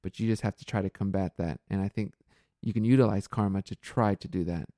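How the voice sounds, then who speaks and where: A male podcast host with a fairly low, mellow voice. He talks earnestly and reflectively, thinking aloud with plenty of fillers and restarts. The sound is dry and close. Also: fairly even intonation, brisk, no room sound. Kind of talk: casual reflective chat.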